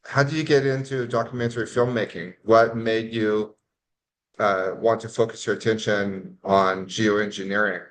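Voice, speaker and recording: American man interviewing, halting delivery. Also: lowish voice, little pitch movement, fairly bright tone. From California, United States. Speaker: interviewer, show co-host. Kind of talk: conversational interview.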